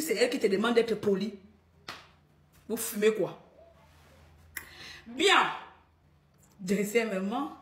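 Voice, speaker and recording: A woman's voice: mid-range voice, roomy sound. A middle-aged woman from Gabon with a Cameroonian accent, scolding her followers bluntly in a live stream.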